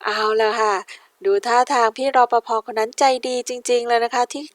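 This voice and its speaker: A woman hosting a game playthrough, narrating gently and politely to young viewers. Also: on the high side, level tone, normal speed, dry recording. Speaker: let's-play host.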